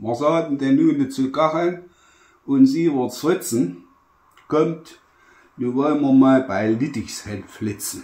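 A man speaks very slowly with a Saxony-Anhalt accent, leaving long, frequent pauses. His fairly high pitch shows ordinary variation, the tone is dark and mellow, and the room echo is audible. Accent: Mansfeld dialect, Saxony-Anhalt. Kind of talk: dialect poetry reading. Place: home room. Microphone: phone near.

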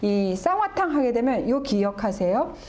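Pitched high for a woman, her voice swings very widely in pitch as she talks at a fairly slow pace. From South Korea. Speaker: Korean medicine doctor. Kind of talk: health explainer video. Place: studio. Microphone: lapel.

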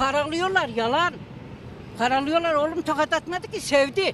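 Over light background noise, a woman speaks in an extremely high pitch with an animated tone, and the sound is dry with no echo. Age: 80s+. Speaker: street interviewee. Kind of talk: street interview. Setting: outdoors. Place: street. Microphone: handheld.

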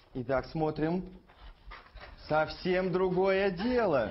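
Here a man speaks at a very slow pace. His pitch is high, with ordinary pitch variation. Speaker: infomercial host. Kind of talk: infomercial product demonstration. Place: studio. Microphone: lapel.

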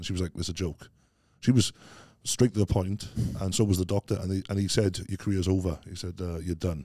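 A man with a Welsh accent and a very deep, low pitch speaks at a very fast pace with fairly even intonation. The sound is dry with no echo, over a quiet background. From Wales. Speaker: strongman athlete. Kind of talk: casual interview. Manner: talkative. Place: studio. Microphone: studio mic.

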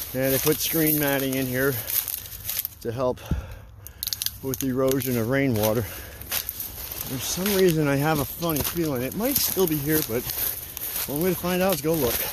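Moderate-paced speech with long, frequent pauses, dry with no echo, over noticeable background noise. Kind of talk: casual vlog commentary. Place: open country. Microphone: phone near.

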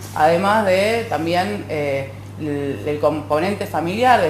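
A woman's very deep, low voice with audible room echo and light background noise. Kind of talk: interview answer. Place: studio. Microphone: lapel.

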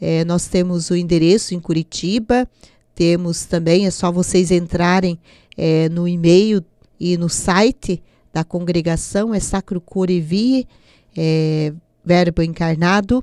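At a very slow pace, a woman with a dark, mellow tone and fairly low pitch speaks with ordinary pitch variation, in a dry sound with no echo and a quiet background. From Brazil, rural Paraná. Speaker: interview guest. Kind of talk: radio interview. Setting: radio studio. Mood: calm, warm. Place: studio. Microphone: studio mic.

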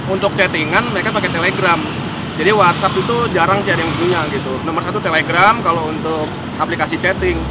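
A man talks at a very fast pace. The sound is dry with no echo, but loud background noise runs underneath. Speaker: sports journalist vlogger. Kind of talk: casual vlog chat. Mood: cheerful, amused. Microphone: phone near.

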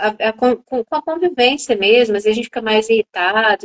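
Against a quiet background, a woman with an unremarkable speaking voice talks at a moderate pace, fairly high in pitch, with lively intonation. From Brazil, southern Minas Gerais. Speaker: book reviewer, social media creator. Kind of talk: casual chat. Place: home room. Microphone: earbuds.

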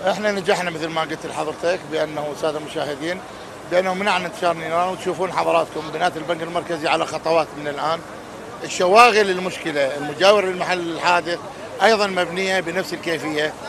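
A man with a high pitch talks fairly quickly and with fairly even intonation, the sound dry with no echo and noticeable background noise behind him. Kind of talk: interview answer. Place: street. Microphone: handheld.

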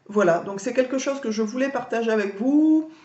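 A woman's voice with audible room echo. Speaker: wellness and natural-remedies channel host. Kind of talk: casual talk to camera, explaining a prayer. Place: home room. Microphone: webcam.

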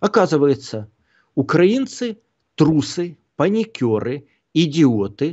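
Against a quiet background, a man speaks at a fairly high pitch with very wide pitch swings. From Ukraine. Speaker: political commentator. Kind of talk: political commentary monologue. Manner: animated. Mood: indignant, critical. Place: home room. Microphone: video call.

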